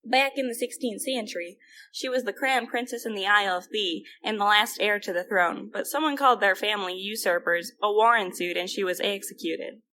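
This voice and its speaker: A woman's voice: mid-range voice, brisk, bright, forceful tone, close to an everyday voice. A woman playing an earnest, trusting young adventurer in an audio drama. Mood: explaining. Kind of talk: audio drama character acting.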